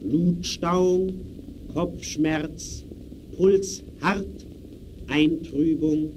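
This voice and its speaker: An actor playing an impersonal official who declaims a case file in clipped phrases, in 1920s radio play style. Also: male voice, fairly high pitch, drawn-out words, darkish tone. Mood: clinical, insistent. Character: clinical male official reading out a case file. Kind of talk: 1920s German radio play, staccato report. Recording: noisy early radio recording.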